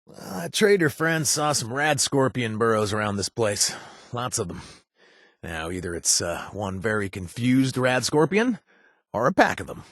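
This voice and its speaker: A man's voice: mid-range voice, very animated, normal speed, a bit bright, no echo, studio quality. An actor playing a wry male wasteland bounty broker in a video game, laid-back and full of puns, with hesitant fillers between his lines.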